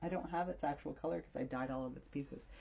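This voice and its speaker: Her intonation is lively. The woman's pitch is very deep and low. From New Hampshire and Ontario. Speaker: cross-stitch vlogger and designer. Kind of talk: casual show-and-tell vlog. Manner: animated, chatty.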